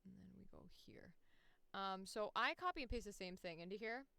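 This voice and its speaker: A woman's voice: mid-range voice, brisk, gravelly, pushed and bright, no echo. A woman hosting a casual livestream tutorial, chatting informally, thinking aloud and swearing freely as she talks through each step. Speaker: livestream host and voice actor.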